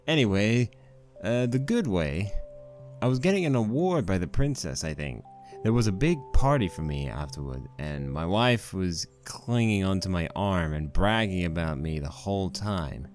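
A man playing a young married stallion pony husband, rambling wryly and sheepishly through a fan fiction monologue. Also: low-pitched. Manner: conversational, rambling, wry.

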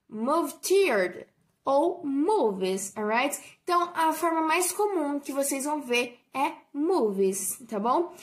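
Slow-speaking Brazilian woman teaching English. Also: high-pitched. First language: Portuguese. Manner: slow, drawn-out model pronunciation, tag "alright?" after each example. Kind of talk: bilingual vocabulary lesson.

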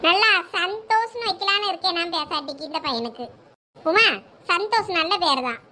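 A woman's voice: very high voice, animated, moderate pace, bright, forceful tone, exaggerated voice. A woman playing an opinionated village aunt, scolding and bantering in a comic sketch.

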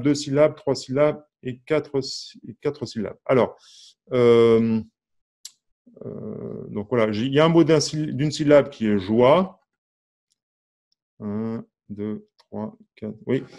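A man's voice: mid-range voice, dark tone. A man teaching a casual online music lesson, chatty and full of fillers, counting and singing out syllables over an instrument.

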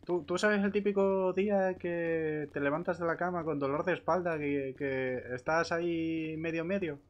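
A man chatting casually in a roleplay game, speaking in a hesitant, halting way. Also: on the high side, steady tone, dull audio, a little hiss or hum.

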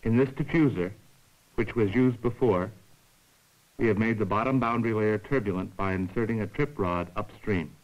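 A man giving formal, measured scripted narration for an educational science film, explaining carefully like a lecturer. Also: fairly low pitch, lo-fi sound.

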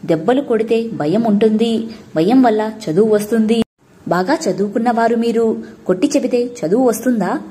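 A woman's voice: on the high side, moderate pace, dark tone, natural voice. A woman voicing a stern, proud Brahmin scholar who scolds his wife and son, in a storybook reading. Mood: angry.

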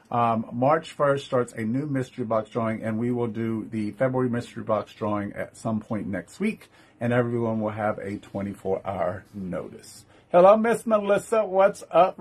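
A man's voice: mid-range voice, slightly rough. A man hosting a casual live-stream jewelry sale, chatty and upbeat, greeting viewers by name as he shows each piece.

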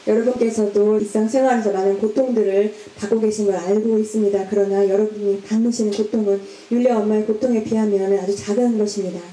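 Warm-voiced woman interpreting a homily. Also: mid-range voice, fairly even intonation, fast, few pauses. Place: church. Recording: echoey church hall.

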